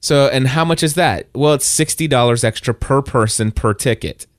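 A man telling a long, animated story in casual chat, acting out the people in it. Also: medium pitch, moderate pace, dry recording, studio quality. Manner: animated, quotes others in raised voice.

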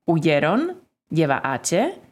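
Slow, lively-voiced woman teacher dictating. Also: sits low. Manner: clear, deliberate dictation. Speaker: Spanish teacher. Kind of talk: spelling dictation lesson.

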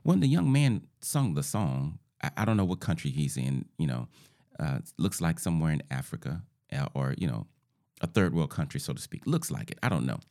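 Male podcast host, groggy morning voice, dark mellow tone, casual rambling monologue. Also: rumbling low, very animated, a little fast. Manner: rambling and informal, addresses listeners as family.

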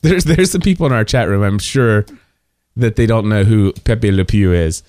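A man's voice: on the low side, normal speed, darkish tone, no echo, clean studio sound. A man co-hosting a casual family podcast who teases and jokes with incredulous disbelief. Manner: joking, incredulous teasing. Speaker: podcast co-host. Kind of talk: casual chat.

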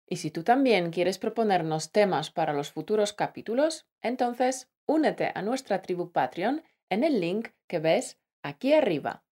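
A woman co-hosts a scripted language lesson. She talks to the listener in a playful, affectionate way, at a middling pitch. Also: expressive, a little slow, hardly any pauses, darkish tone. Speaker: podcast co-host, Spanish teacher. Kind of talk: scripted teaching podcast.

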